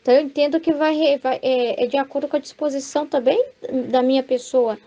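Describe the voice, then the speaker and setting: A woman's voice: sits high, steady tone, fast, warm tone, muffled recording. A Brazilian woman leading a Catholic devotional study, talking conversationally with frequent "né?" and reading passages aloud. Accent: Brazilian Portuguese. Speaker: Bible study teacher.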